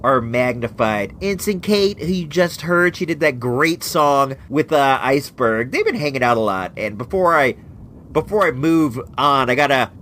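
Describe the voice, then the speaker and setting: Male podcast host, congested and nasal, playful rambling delivery, lively pitch. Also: moderate pace, a little hiss or hum. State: stuffed up with a cold. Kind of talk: casual comedic monologue.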